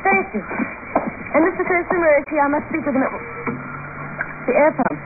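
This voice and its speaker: A woman's voice: high voice, animated, normal speed, over music. A woman playing a treacherous, greedy female doctor in old-time radio drama, theatrical and taunting. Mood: urgent. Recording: tinny, noisy old radio recording.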